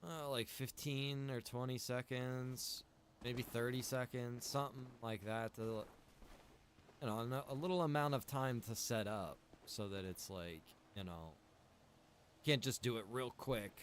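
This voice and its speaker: A man with a medium-pitched voice talks casually as he streams a game. He rambles along, working ideas out aloud as he goes. Some background noise and ambience sit faintly behind his voice. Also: a little slow. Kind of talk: casual livestream chat while gaming.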